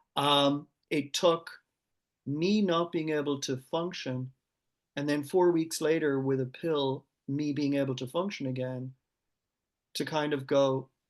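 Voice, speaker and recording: Over a quiet background, a man speaks at a moderate pace with a fairly high pitch and fairly even intonation. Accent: Irish. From Ireland. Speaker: paediatric anaesthetist. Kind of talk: casual chat. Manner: halting.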